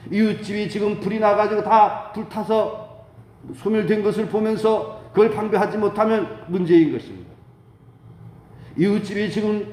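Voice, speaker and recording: A man's voice: sits high, a little mellow. A man preaching a sermon as a pastor, fervent and exhortatory, posing rhetorical questions and answering them himself. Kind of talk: dawn prayer sermon. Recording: echoey room with faint background noise.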